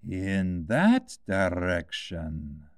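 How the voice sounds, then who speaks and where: A man voicing a mad, grinning cat in a storybook, with slow, drawn-out, teasing words. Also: low-pitched, wildly swooping pitch, no echo, studio quality, full character voice. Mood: languid. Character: languid, mad, grinning male Cheshire Cat.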